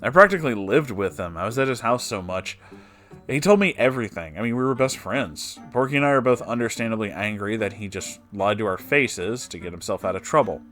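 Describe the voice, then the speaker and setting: A man's voice: on the low side, expressive, fairly quick, a bit bright, faint music behind. A man narrator reading a written personal story aloud, with brief asides of his own. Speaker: narrator reading online stories.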